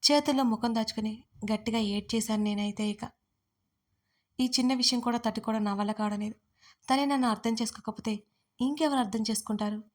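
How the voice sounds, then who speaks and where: A young woman narrating a first-person story in an expressive, emotional reading. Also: fairly high pitch, fairly quick, pauses often.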